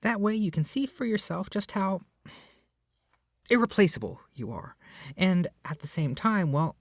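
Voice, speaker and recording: A man performing an ASMR roleplay as a doting, awkward, possessive young male kidnapper, speaking softly and hesitantly. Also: on the high side, no room sound, studio quality. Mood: earnest, reassuring. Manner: soft, hesitant, rambling, often dropping to a whisper. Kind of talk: ASMR roleplay addressed to the listener.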